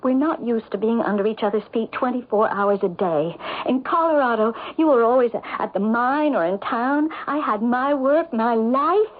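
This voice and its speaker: An American actress playing an anxious, insistent wife in a 1970s radio mystery drama, earnest and emotive. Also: female voice, a little high, moderate pace, few pauses, close to an everyday voice. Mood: tense, insistent. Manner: earnest, emotive, pressing with questions. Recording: muffled phone-like radio recording with hiss.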